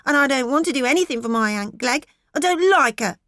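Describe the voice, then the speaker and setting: A woman's voice: sits high, animated, fairly quick, a bit bright, no room sound, clean studio sound, voice pushed up. A woman voicing a defiant little country girl, vehement and petulant, in an audiobook story.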